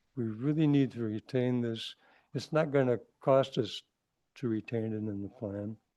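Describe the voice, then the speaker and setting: Recorded dry and close with no echo, a man talks at a moderate pace in a dark, mellow tone, medium in pitch, with fairly even intonation. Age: 80s+. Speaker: public commenter at county hearing. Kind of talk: public testimony. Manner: halting, repeats words.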